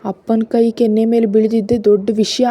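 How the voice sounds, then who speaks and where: A woman's voice: a little high, flat delivery, brisk, mellow, no room sound, natural voice. A woman voicing a jealous, hurt young wife and mother who accuses and pleads. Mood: pleading.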